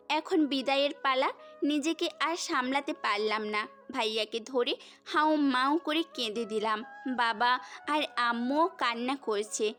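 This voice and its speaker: A woman's voice: sits high, fairly bright tone. A young woman narrating a romantic story in the first person, as a scripted audio tale.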